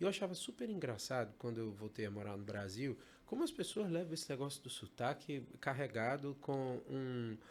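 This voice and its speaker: With hardly any pauses, a man speaks at a medium pitch and moderate pace, his intonation lively. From Alagoas, Brazil (Arapiraca, grew up in Maceió). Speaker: tech entrepreneur. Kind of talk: podcast interview.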